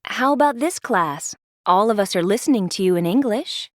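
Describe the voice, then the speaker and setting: A woman's voice: mid-range voice, expressive, normal speed, no room sound, clean studio sound, close to an everyday voice. A woman playing a student whose first language is Spanish, answering readily in class. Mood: plain. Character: young female student in class.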